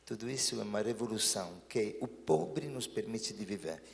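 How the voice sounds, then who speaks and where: A priest telling stories and reflecting earnestly in a talk show conversation. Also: male voice, on the low side, expressive, normal speed, vocal fry, in a large hall.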